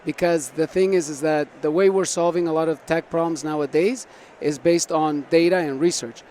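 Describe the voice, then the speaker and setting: A startup founder from South America (Argentina and Venezuela), born in Canada, gives earnest, explanatory answers in a conversational interview on a busy tech conference floor. His slightly high voice is steady and darkish at normal speed, with noisy event ambience behind him.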